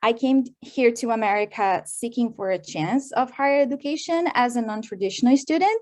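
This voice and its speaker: In a Portuguese accent, a woman speaks with a high pitch and lively intonation. Her pace is fairly quick with hardly any pauses, and the background is quiet. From Brazil. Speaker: student panelist. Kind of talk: conference panel talk.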